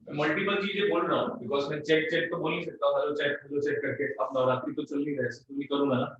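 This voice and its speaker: A man teaches a live online electronics class from a studio, speaking in a firm, blunt way. His fairly high, steady-toned voice comes fast, with dull audio from a distant studio mic with faint noise, drenched in heavy echo as if he were shouting in a canyon.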